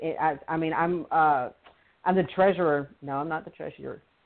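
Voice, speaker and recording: This speaker talks at a moderate pace. The voice has a Southern US accent. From Alabama, small town. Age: 40s. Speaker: lawyer and co-host. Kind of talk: casual chat.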